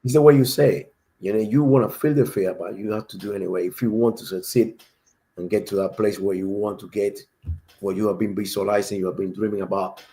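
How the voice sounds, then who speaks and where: A man's voice: fairly low pitch, steady tone, fairly quick, warm tone. A man from Cuba with a Cuban Spanish accent, a native Spanish speaker, chatting emphatically and repeating words as he speaks. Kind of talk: casual chat.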